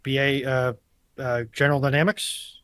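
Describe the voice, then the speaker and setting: A man's voice: medium pitch, flat delivery, moderate pace, a bit bright, smooth. A man on a discussion panel, explaining things in a casual, conversational way.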